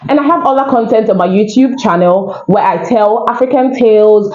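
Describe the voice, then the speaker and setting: A woman's voice: mid-range voice, a little fast, darkish tone. A woman with a Nigerian accent, a voiceover coach teaching to camera in an earnest, encouraging way, repeating her points. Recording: roomy, dull lo-fi sound.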